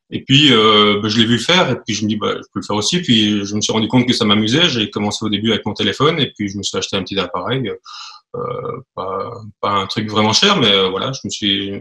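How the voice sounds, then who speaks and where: Fairly quick, fairly low-pitched male speech with ordinary pitch variation. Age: 40s. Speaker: online seller. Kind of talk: interview. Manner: halting, many repetitions.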